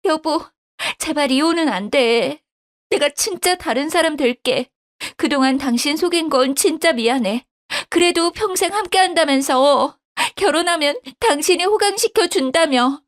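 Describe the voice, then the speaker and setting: A woman's voice: high voice, lively intonation, moderate pace, voice pushed up. A woman voicing a pleading young wife who whines and begs, in a storytelling radio drama. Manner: whiny, begging.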